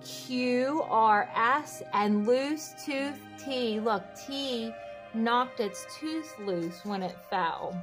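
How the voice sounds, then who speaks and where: A woman with a fairly high voice reads a children's book aloud, very unhurried and sing-song, with expressive phrasing aimed straight at young kids. Light music plays along, and the audio quality is poor.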